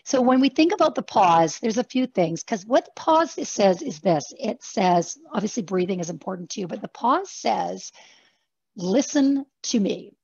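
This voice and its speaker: A woman coach leads an online workshop, talking quickly and acting out her examples. Her voice is gravelly and a little husky, and her words spring up in pitch when she mimics someone. The dull, dry sound of a video call frames her talk. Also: no room sound. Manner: fast-talking, animated, acts out examples. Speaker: executive coach.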